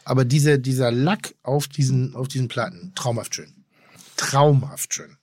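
A man's voice: mid-range voice, moderate pace, a little mellow, slightly rough, no echo, studio quality. A man co-hosting a casual podcast, rambling and effusive, often trailing off and restarting his sentences.

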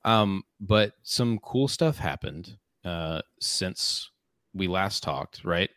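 Deep-voiced man, halting podcast co-host. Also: expressive, fairly bright tone, no room sound, studio quality. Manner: halting, many fillers and restarts. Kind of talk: casual podcast chat. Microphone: podcast microphone.

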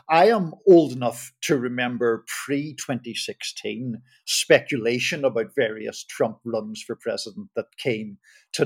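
Northern irish guy on a panel, gravelly and a bit husky, measured and dryly understated. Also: medium pitch. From Belfast, Northern Ireland. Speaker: journalist, roundtable panellist. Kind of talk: conversational political commentary.

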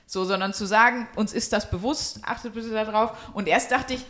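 A woman's voice: medium pitch, normal speed, fairly bright tone. A woman in casual, comedic podcast conversation, blunt and sweary, with exaggerated indignation as she hosts. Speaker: podcast host.

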